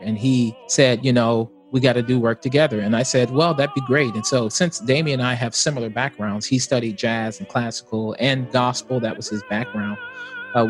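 A man, an opera tenor, giving thoughtful, earnest interview answers. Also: medium pitch.

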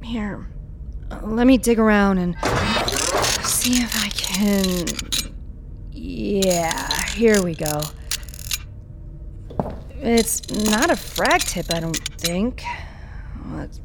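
A woman acting a wry, streetwise black-market trader who patches up cyborgs in a sci-fi audio drama, sardonic and expressive. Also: medium pitch, drawn-out words, long pauses, heavy background noise. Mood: focused, concerned.

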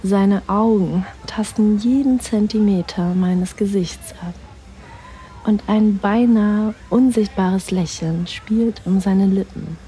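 A woman narrating an erotic audio drama in the first person, in a breathy, sensual way that slips into whispers. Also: medium pitch, steady tone, slow pace, mellow, rough recording.

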